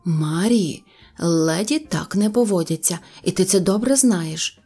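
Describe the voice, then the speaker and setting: A woman's voice: fairly low pitch, warm tone, breathy edge, soft background music. A woman voicing a strict, dignified mother cat duchess in an audio storybook. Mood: stern. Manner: stern, measured, reproving. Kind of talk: storybook character voice.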